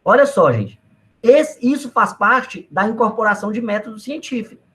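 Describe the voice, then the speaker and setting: A man's voice: high-pitched, lively intonation, moderate pace, fairly bright tone. A man giving a casual economics lecture, talking to students conversationally with personal anecdotes and asides. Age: adult father of young children.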